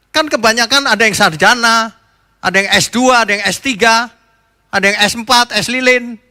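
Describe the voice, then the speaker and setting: A middle-aged man preaching a sermon as pastor, animated and joking, acting out the people he quotes. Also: mid-range voice.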